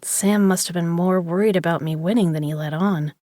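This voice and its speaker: A woman's voice: fairly low pitch, a little fast, dark tone, no room sound, studio quality, lightly acted. A woman acting in an audio drama as a stubborn poker player who is drugged and woozy, with a drowsy, loopy delivery. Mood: woozy musing.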